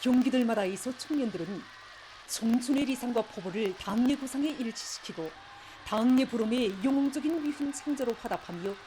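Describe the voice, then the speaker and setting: Woman, North Korean accent, soft-toned formal state news narrator, solemn declamation, noisy ambience behind. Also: a little high, lively intonation, normal speed. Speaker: news announcer.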